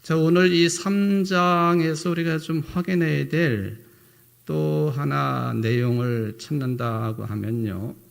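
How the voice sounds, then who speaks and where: A man's voice: a little high, fairly even intonation, takes it slowly, creaky. A middle-aged male pastor giving a sermon in a conversational way, often posing rhetorical questions to the congregation.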